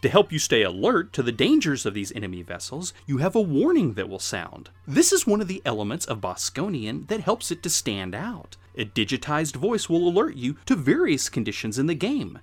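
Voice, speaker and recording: A man's voice: on the high side, huge pitch swings, moderate pace, few pauses, faint music behind. A man giving scripted, informative narration as a retro game presenter, with emphatic, explanatory phrasing.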